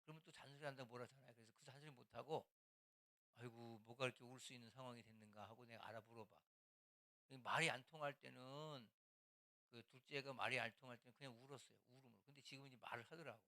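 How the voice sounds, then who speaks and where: A man's voice: medium pitch, steady tone, fast talker, sharp tone. An older man, a pastor, teaching church small-group leaders in a loose, conversational way, now and then acting out scolding lines. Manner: conversational preaching, acts out scolding quotes.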